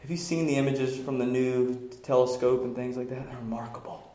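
A man preaching a sermon as pastor, swinging from shouted passion to hushed, near-whispered lines. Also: mid-range voice, level tone, fairly quick, reverberant. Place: church sanctuary.

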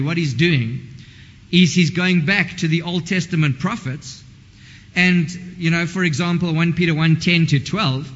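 A fairly high-voiced man preaching in a church, chatty and informal, stopping himself mid-thought and picking the thread back up. His voice carries a long hall reverb, and the recording sounds dull and lo-fi. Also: a bit bright. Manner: conversational, self-interrupting and informal. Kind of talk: sermon.

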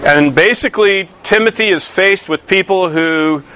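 Higher-voiced man preaching a conversational sermon. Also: normal speed, sharp tone, slight background noise. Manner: conversational, asks the congregation many questions, frequent restarts. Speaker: pastor. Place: church.

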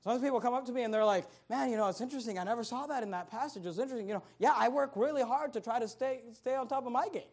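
A man's voice: very high voice, racing, hardly any pauses, a little mellow. A young adult man preaching a sermon as pastor, emphatic and repetitive, driving his points home.

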